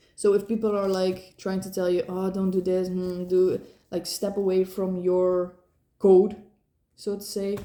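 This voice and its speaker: A woman with a non-native accent speaks at a fairly slow pace and medium pitch. Her tone is dark and mellow, and her intonation is monotone and flat. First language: not English. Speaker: tarot reader. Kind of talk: intuitive tarot reading. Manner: halting, searches for words; casual.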